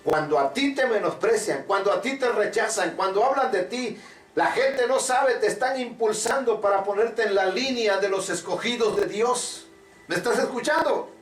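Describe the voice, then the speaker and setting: A man's voice: high voice, moderate pace. A man preaching a sermon with fervent, repetitive emphasis, calling on the congregation to repeat after him. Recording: echoey room, distant mic, faint music.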